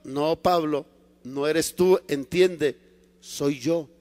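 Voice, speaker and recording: A man voicing God as a calm, stern, commanding figure in a sermon, speaking slowly and softly. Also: on the high side, long reverb tail, voice pushed down. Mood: firm. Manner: slow, hushed, firm and patient. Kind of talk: acted quote in a sermon.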